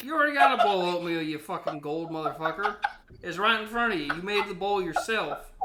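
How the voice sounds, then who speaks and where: A gruff, put-on character voice at middle pitch races along at a very fast pace. Light background noise can be heard. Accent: Southern US. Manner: gruff, aggressive, profane.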